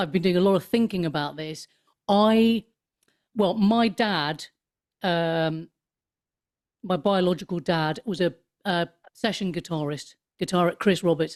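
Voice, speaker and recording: A woman with a fairly low pitch speaks at a fairly slow pace, with ordinary pitch variation. She leaves long, frequent pauses on a very clean recording with a silent background. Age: 50s. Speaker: comedian and writer. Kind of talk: casual chat. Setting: podcast interview. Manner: halting.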